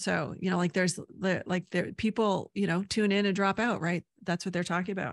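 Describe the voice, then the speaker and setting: A woman's flat, monotone delivery with hardly any pauses and very even loudness, over a quiet background. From Canada (Ontario). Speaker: science communication consultant. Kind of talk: casual interview chat. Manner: halting, many fillers. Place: studio. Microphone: studio mic.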